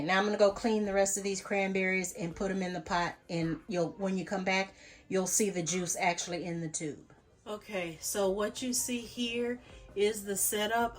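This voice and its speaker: A woman vlogger speaking in a casual, folksy instructional way, addressing her viewers directly as she explains things step by step. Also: medium pitch. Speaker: homesteading vlogger demonstrating home canning.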